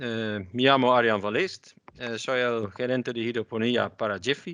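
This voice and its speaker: A man with a Dutch accent speaks at medium pitch in a bright, sharp tone with fairly even intonation. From Netherlands. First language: Dutch (speaking Spanish). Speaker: product manager. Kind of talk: webinar presentation. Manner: halting.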